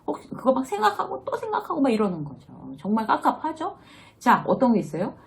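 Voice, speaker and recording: A woman's voice: sits high, huge pitch swings, quick pace, vocal fry. A middle-aged woman teaching a casual lesson on self-esteem, acting out the inner voices she quotes. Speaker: workplace lecturer and author.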